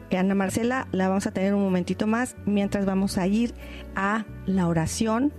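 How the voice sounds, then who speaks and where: A woman hosts a Catholic radio program, her voice mellow and relaxed. She reads prayers and scripture in a measured, prayerful way, with soft music faintly underneath. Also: medium pitch. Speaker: radio host.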